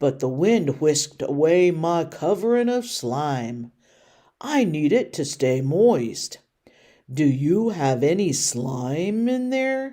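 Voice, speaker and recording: A put-on character voice, croaky and middle-pitched, at a very slow pace. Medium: read story. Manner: croaking.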